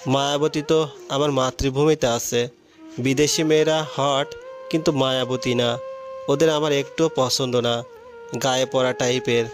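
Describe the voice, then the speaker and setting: A man reading the part of an arrogant, sharp-tongued young man back from abroad, with music behind. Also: mid-range voice, steady tone, a little slow, natural voice. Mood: dreamy. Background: background music.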